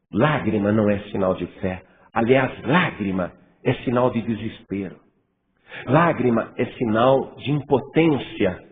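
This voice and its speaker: A man with a Brazilian accent preaching a sermon as pastor, emphatic, swinging between loud and hushed delivery. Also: mid-range voice. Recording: phone-like sound with long reverb and faint noise.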